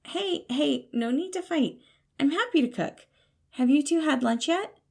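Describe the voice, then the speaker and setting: An eager, sweet-tempered young man from an audio story , played by a woman. The voice sits high and lifted, with a bubbly, apologetic manner and a touch of nervous hesitation. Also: animated, a little slow, vocal fry, exaggerated voice. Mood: cheerful, eager.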